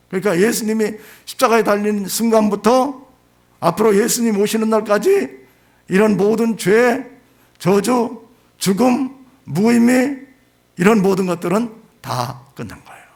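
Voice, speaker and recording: Creaky-voiced male preacher. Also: expressive, a little mellow. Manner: emphatic, rising to drawn-out stressed phrases then dropping low. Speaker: pastor preaching.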